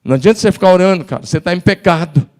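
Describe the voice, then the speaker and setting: A male pastor voicing the Holy Spirit as a blunt, reproving divine voice in a sermon, raised in pitch and louder. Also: rapid-fire, close to an everyday voice. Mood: rebuking.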